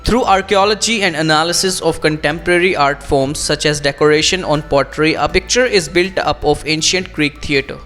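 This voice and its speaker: High-pitched Indian man, teacher reading aloud. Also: brisk, hardly any pauses, fairly bright tone, faint music behind. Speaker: English exam coach. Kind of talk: instructional read-aloud with tips.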